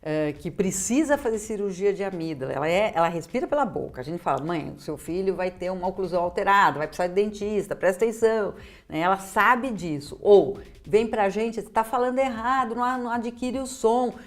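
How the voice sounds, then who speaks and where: A woman's voice: medium pitch, fairly quick. A Brazilian woman in an expert conversation, explaining as a specialist, repeating points for emphasis and acting out bits of dialogue. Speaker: interviewer and speech therapy specialist.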